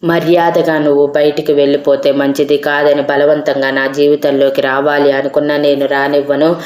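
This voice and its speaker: A woman reading the lines of an angry, principled young man in an audio story, scolding slowly and emphatically. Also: low voice, monotone, darkish tone, close to an everyday voice. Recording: roomy echo.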